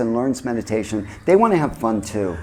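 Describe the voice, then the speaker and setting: A man with an American accent and a dark, mellow tone, his pitch swinging very widely at a moderate pace. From United States. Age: 60s. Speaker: meditation teacher. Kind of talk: interview. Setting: ashram. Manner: halting.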